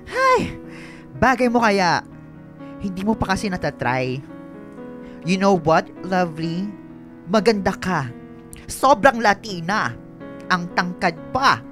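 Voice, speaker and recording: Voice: medium pitch, lively intonation, slow pace, long pauses, fairly bright tone, soft background music. A performer with a Filipino accent playing a flamboyant, bossy young gay man in a radio drama, sassy and campy with affectionate teasing. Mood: affectionate coaxing.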